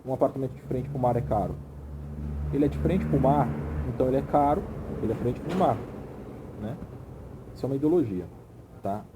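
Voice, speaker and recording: A man's voice: medium pitch, fairly quick, long pauses, background noise. A man from Brazil teaching an informal video lesson, conversational and often checking in with the listener.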